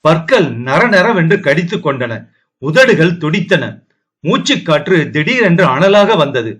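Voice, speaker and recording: A man narrates a historical novel for an audiobook, steady and dramatic in his storytelling. His voice sits somewhat high for a man. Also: a little slow.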